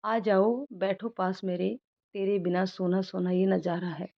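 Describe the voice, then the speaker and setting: A woman's voice: medium pitch, level tone, unhurried, creaky. A woman reading the part of a playful young man in love who teases and sings to his girlfriend, in a storybook narration. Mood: teasing. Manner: teasing, sings filmy lines. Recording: dull lo-fi recording.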